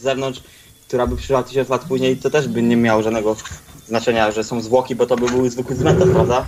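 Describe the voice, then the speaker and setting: A man speaks very fast at a medium pitch with fairly even intonation. Noticeable background noise sits behind him. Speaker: caller. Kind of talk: heated debate.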